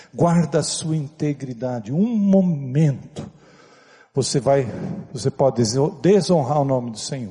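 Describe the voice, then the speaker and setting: With noticeable background noise behind him, a man talks in a fairly high pitch with lively intonation. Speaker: pastor. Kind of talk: sermon. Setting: church.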